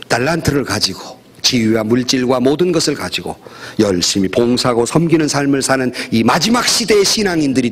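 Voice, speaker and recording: A middle-aged male pastor preaching a sermon, telling stories and acting out the quoted voices. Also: slightly rough. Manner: storytelling with quoted voices, lively pitch.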